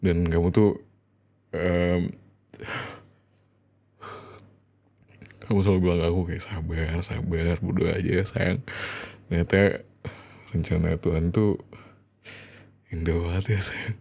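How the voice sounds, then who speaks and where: A man with an Indonesian accent playing a loving, emotional young husband in an intimate ASMR roleplay, speaking tenderly and haltingly. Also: deep voice, flat delivery, creaky, full character voice. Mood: moved, tender. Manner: tender, halting, soft chuckles and whispers. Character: loving young husband, overjoyed about becoming a father.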